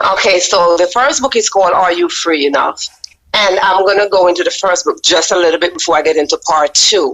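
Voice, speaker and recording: A woman with a Jamaican accent talks at a fairly quick pace and very even loudness, with noticeable background noise. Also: medium pitch for a woman, ordinary pitch variation. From Jamaica, Saint Andrew. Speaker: book author. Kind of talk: radio interview. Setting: radio show.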